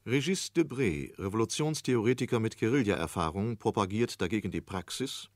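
A man narrating a scripted radio feature in a formal, deliberate manner. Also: lowish voice, animated, no room sound, studio quality.

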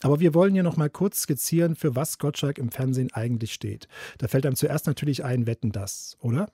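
A man's voice: mid-range voice, fairly quick, warm tone, slightly rough, no room sound. A man hosting a radio programme, presenting and leading the discussion. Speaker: radio host.

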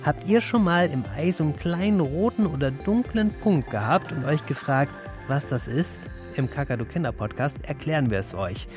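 A cheerful man with a fairly light voice gives a chatty promo for a children's podcast. Music plays clearly underneath him. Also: on the high side, animated, moderate pace. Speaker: podcast host.

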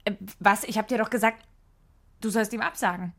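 A woman's voice: mid-range voice, brisk, no room sound, lightly acted. A woman playing an urgent, panicky friend. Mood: flustered. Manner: urgent harsh whispering. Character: panicky young woman, friend covering up a death. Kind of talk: radio play acting.

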